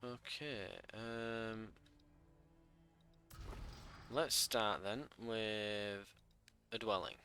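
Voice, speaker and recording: A man's voice: fairly low pitch, fairly even intonation, drawn-out words, long pauses, sharp tone, faint music behind. A man giving casual let's play commentary, thinking aloud in a wry way.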